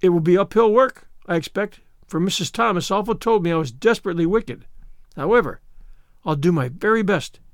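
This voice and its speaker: Audiobook role: young orphan girl, excitable and wordy, high lilting delivery, very dry recording male reader. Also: brisk, no echo, close to an everyday voice. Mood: tearful joy. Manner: earnest, gushing, wordy. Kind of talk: audiobook character voice.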